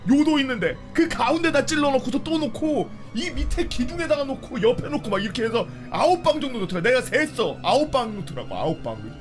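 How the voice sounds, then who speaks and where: A young man telling a funny story in a casual, animated way, often shouting and wailing as he acts out the scenes. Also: very high-pitched, brisk, hardly any pauses, faint music behind. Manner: animated, shouts and wails while acting out scenes.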